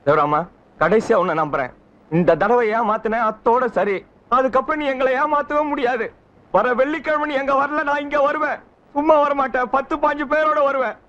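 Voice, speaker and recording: An actor playing a loud, aggrieved man who chases a friend for a debt, blustering and scolding in a film comedy. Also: extremely high pitch, normal speed. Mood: threatening. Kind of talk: 1990s film comedy acting. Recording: dull film soundtrack with music.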